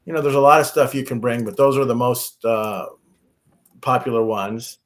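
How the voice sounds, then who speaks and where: A man's voice: mid-range voice, normal speed. A man speaking as an immigration attorney, answering questions casually with frequent restarts. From United States. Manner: conversational, many restarts and fillers. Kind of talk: casual Q&A advice.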